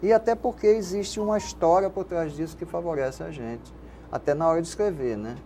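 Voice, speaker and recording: An older Carioca man, interviewed about his life, with a somewhat high yet mellow, dark-toned voice. He talks in a rambling, reflective way, and a faint hiss of noise sits under the recording. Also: fairly quick. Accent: Carioca Brazilian Portuguese. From Rio de Janeiro, Brazil. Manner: reflective, rambling with frequent "né?" tags. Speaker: guest, radio station manager and poet. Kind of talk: casual interview conversation.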